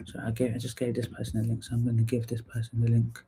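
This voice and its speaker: A woman, hosting a live stream in a casual, chatty way, full of fillers and restarts and quick to laugh. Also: a bass voice, completely flat delivery, background noise. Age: 30s. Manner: chatty, laughs easily, lots of fillers and repeats. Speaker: livestream host and psychotherapist. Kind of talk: casual livestream chat.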